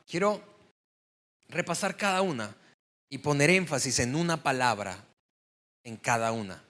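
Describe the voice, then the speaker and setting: A man's voice: mid-range voice, a bit bright. A male pastor preaching a sermon to a congregation, talking conversationally and building up to emphatic stress on key words.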